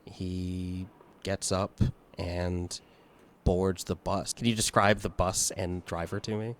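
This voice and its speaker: A man narrating a tabletop roleplaying game as game master, in a measured, halting way. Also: sits low, level tone, slight background noise.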